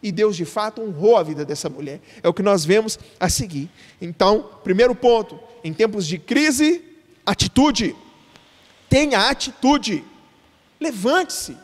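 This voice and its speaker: A man's voice: sits high, animated, a little slow. Brazilian pastor guy preaching, earnest, keeps saying brothers, big echoey church. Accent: Brazilian Portuguese. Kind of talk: sermon. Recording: reverberant church hall.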